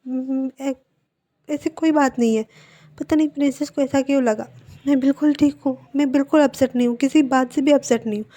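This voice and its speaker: A woman's voice: sits high, steady tone, fairly quick, dark tone, close to an everyday voice. A woman voicing a nervous young man who stammers and hurries to insist he is fine. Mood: flustered. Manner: stammering, anxious.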